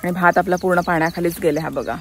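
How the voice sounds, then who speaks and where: A young woman vlogging outdoors on a village farm, chatty and quick to laugh as she calls out to her family. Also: fairly low pitch, fairly even intonation, slight background noise. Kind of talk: casual vlog narration.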